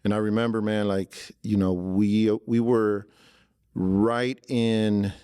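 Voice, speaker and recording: Relaxed, low-voiced man in his forties. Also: takes it slowly, smooth, no echo, clean studio sound. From Los Angeles, born in El Salvador. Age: 40s. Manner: relaxed, loose, peppers talk with "man", frequent restarts. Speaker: podcast guest, entrepreneur. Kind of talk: casual interview talk.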